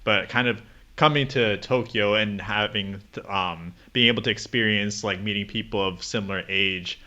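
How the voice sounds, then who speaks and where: Bright low-voiced male podcast host. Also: moderate pace, muffled recording. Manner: hedging with fillers, I guess and like. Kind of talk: casual interview questions.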